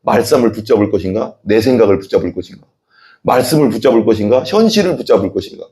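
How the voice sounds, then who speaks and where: A man's voice: fairly low pitch, fast. Male pastor preaching a sermon, voices the quotes himself and asks the congregation questions. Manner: animated, acts out voices in quoted dialogue; asks the congregation questions and has them repeat.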